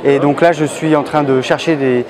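A man in his thirties interviewed at a crowded indoor trade fair, speaking in a brisk, informative way. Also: on the high side, fairly even intonation, rough recording. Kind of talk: street interview. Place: busy indoor exhibition hall. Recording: busy crowd noise behind. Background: crowd chatter.

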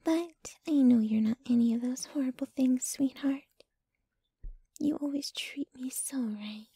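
A woman acts out a possessive young yandere girlfriend for an intimate ASMR audio drama. Her voice is soft, mellow and breathy, often slipping into whispers, recorded very close and dry. She coos and clings to the listener with a sweet, jealous menace. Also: sits high, dry recording, exaggerated voice. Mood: sweetly possessive. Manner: slow, cooing, clinging to the listener.

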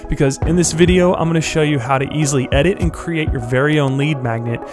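A young man with a stuffy head cold, giving friendly step-by-step instructions in a software tutorial voice-over. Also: a little high, fast talker, music in the background. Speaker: blogger teaching a software tutorial. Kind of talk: screen-recorded tutorial voice-over.

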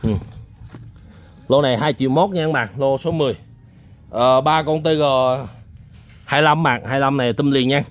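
A man's voice: mid-range voice, normal speed, pauses often. A man with a Southern Vietnamese accent giving a casual sales walkthrough of used machines in a storeroom, chatty and repetitive, with many "uh" fillers.

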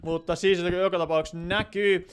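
A man's voice: high-pitched, steady tone, smooth. A young man with a Finnish accent, streaming Minecraft live and chatting to viewers, with many fillers as he answers chat. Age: teens. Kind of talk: live gameplay commentary. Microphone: desk microphone.

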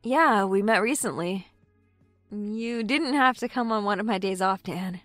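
A woman's voice: medium pitch, a little slow, fairly bright tone, no echo, soft background music, lightly acted. An actress playing an anxious, earnest young woman in an audio drama. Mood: friendly.

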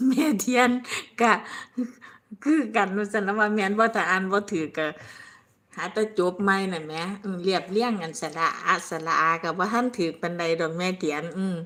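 An older woman with a bright, clear Isan accent hosts a relaxed live stream. She rambles chattily, reads out viewers' comments and laughs often between her stories. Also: medium pitch, moderate pace. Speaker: livestream host.

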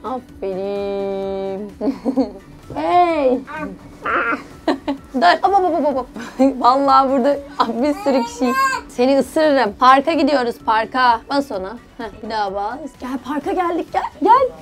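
Young woman, high bright voice, playful baby talk with a toddler, outdoors at a park, camera mic. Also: slow pace, faint music behind. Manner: playful, coaxing, sing-song baby talk with frequent laughter. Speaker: vlogger. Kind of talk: casual vlog, talking to a toddler. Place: outdoors at a playground.

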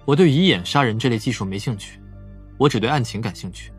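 An actor playing a calm, analytical young male investigator in an audiobook drama, speaking in a measured, reasoning way. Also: mid-range voice, slightly rough, faint music behind.

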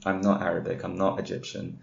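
Low gravelly man. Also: fairly quick, slight background noise. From London, England. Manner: relaxed, laughs often. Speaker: podcast guest. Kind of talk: casual conversation. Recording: dull lo-fi audio.

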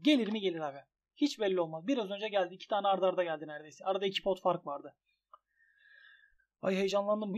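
Young male gaming streamer, high voice, excitable, groans and yells at his own bets. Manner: excitable, swings from grumbling to shouting at losses. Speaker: gaming YouTuber. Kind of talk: commentary on an online gambling site.

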